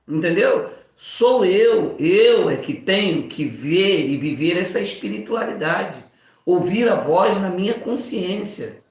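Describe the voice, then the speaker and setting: Man, 50s, pastor; animated informal sermon, acts out bits; very echoey room. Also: sits high. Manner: animated, acts out voices and jokes.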